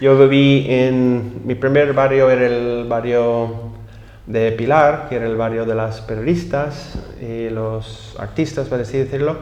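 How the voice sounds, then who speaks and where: A man with an English accent at medium pitch, fairly slow and with fairly even intonation, amid noticeable background noise and audible room echo. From Texas, US. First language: English (speaking Spanish). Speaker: writer and translator. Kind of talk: interview. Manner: halting.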